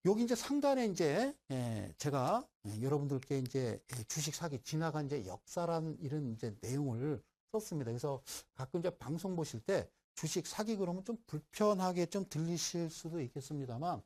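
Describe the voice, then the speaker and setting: A man's voice: a little high, animated, normal speed, few pauses, darkish tone. A middle-aged man giving a broadcast stock-investing lecture, who keeps asking listeners "right?" and teases them.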